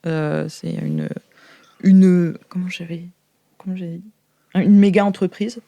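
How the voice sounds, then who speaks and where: A woman playing a flustered insider guide in an improvised audio role-play, explaining things in a halting, hesitant way. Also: on the low side, fairly even intonation, vocal fry, mellow, dry recording, dull audio. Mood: hesitant, earnest. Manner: hesitant, halting, searching for words.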